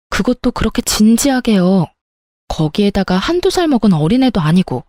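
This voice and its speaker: A woman's voice: medium pitch, warm tone, no room sound, clean studio sound. A woman narrating a first-person story in an exasperated, confiding manner.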